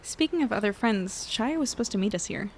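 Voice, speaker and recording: A woman playing a kind, self-deprecating adolescent in an audio drama, speaking in a halting, unassuming way. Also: mid-range voice, expressive, a little hiss or hum, close to an everyday voice. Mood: caring.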